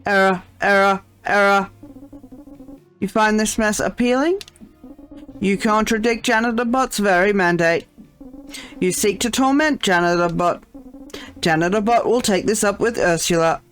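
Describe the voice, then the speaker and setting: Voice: mid-range voice, unhurried, pauses often, a bit bright, faint music behind. A player reading aloud as a fussy robot janitor that glitches, stalls on errors, and talks about itself in the third person. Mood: glitching. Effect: glitching robot voice repeating error. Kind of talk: reading game dialogue aloud.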